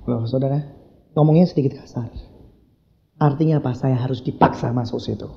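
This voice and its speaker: A man preaching a sermon to a congregation, swinging from loud emphasis to hushed whispers and acting out his talks with God. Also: mid-range voice, brisk, creaky, dull audio. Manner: addresses congregation as "saudara", acts out dialogues with God. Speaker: pastor. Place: church hall.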